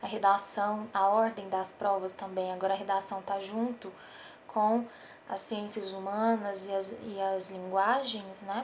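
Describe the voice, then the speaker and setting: A woman's medium-pitched voice, fairly slow, with monotone, flat intonation. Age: 20s. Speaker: law student and essay-writing tutor. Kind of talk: casual educational vlog. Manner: conversational with frequent fillers.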